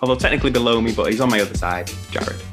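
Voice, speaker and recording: A man's voice: mid-range voice, rapid-fire, music in the background. A young man hosting a casual sports podcast over a video call, chatty and rambling, often correcting himself. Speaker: podcast host.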